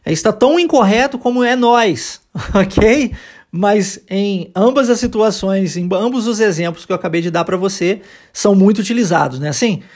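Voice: medium pitch, normal speed, a little mellow. A teacher with a Brazilian accent hosting an informal language lesson podcast, speaking conversationally and emphatically, with frequent short check-in tag questions. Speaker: English teacher and podcast host.

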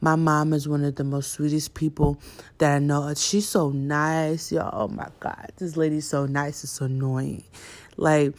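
Flat-toned young woman telling her story. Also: low-pitched, a little slow. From Houston, Texas, USA. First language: Yoruba. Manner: candid and chatty, many fillers like "you know". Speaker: podcast host. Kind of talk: personal storytelling.

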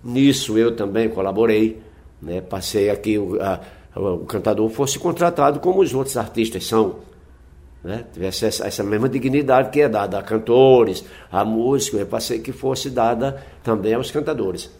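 A man's voice: fairly low pitch, normal speed, warm tone. A man, a folk singer-poet, speaking in a reflective interview and explaining things patiently with frequent tag questions.

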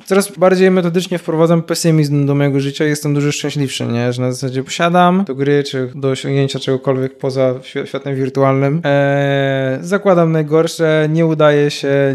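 A stand-up comedian in casual conversation, talking in a reflective, chatty way with many fillers. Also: male voice, medium pitch, flat delivery, normal speed, few pauses, a little mellow, smooth.

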